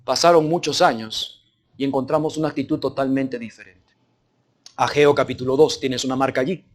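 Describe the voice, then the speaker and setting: A male pastor preaching and reading scripture aloud, stopping often to ask the congregation what the text says, his delivery swinging between raised and hushed. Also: medium pitch, fairly even intonation, brisk. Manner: prompts the congregation with repeated questions.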